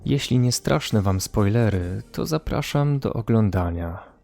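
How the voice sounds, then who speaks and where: Low-pitched Polish man narrating. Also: expressive, moderate pace, gravelly, dark tone, soft background music. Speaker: gameplay video creator. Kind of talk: scripted narration.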